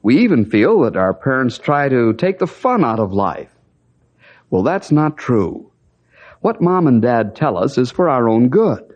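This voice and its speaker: A man's voice: mid-range voice, big pitch swings, a little slow, a little mellow. A male announcer giving a rousing, folksy show introduction that speaks to young listeners. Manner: rousing, folksy, addressing kids. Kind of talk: 1950s radio show introduction. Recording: dull old radio recording.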